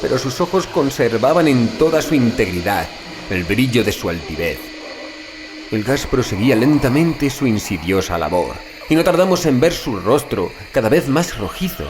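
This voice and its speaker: A man narrating a horror audiobook in a dramatic, solemn and deliberate literary manner. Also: lowish voice, very animated, background noise. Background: background music.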